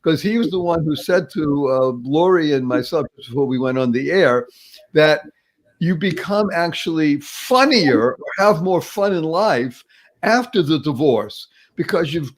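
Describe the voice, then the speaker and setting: A man hosting an online talk show in a showy, upbeat style, stringing together alliterative praise. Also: fairly high pitch.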